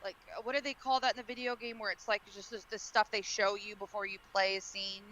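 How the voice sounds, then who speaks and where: A woman's voice: medium pitch, flat delivery, brisk, bright, forceful tone, a little hiss or hum, low-quality recording. A woman offering her thoughts in a casual panel discussion. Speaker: podcast co-host or panelist.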